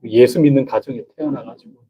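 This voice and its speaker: A man's voice: medium pitch, fast talker. A male pastor preaching a midweek sermon in a chatty, conversational way, often turning to the congregation with questions. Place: church sanctuary. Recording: dull lo-fi church recording.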